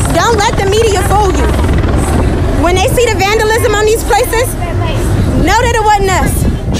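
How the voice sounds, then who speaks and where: Music plays in the background of a dry recording with no echo. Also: woman, moderate pace. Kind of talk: casual vlog statement. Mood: earnest, urgent. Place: street. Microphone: phone near.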